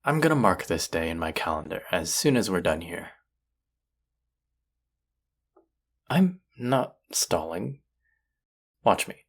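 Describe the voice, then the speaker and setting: A man's voice: deep voice, sing-song, normal speed, full character voice. A man playing a cocky, bickering chef in an intimate audio roleplay, with a teasing, sardonic and condescending manner. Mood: teasing, defensive. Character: cocky, bickering male chef, grudgingly fond rival. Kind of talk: intimate audio roleplay acting addressed to listener.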